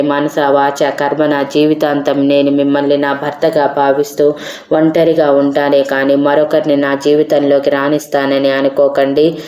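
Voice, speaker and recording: A woman's voice: low voice, dark tone, natural voice. A stubborn devoted young woman, read by a woman. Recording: roomy echo.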